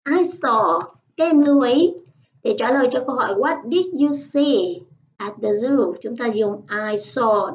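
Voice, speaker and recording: Patient teacher woman, slightly high voice. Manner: patient, explains in Vietnamese and models English phrases slowly. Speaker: English teacher. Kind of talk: online lesson narration. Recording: dull, slightly distant lo-fi sound.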